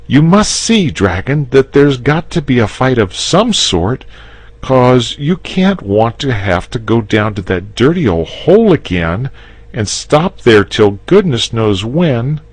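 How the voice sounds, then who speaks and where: A man voicing an eager, insistent young boy in a storybook reading, with a much higher voice. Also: big pitch swings, slow pace, breathy edge, no echo, heavily acted.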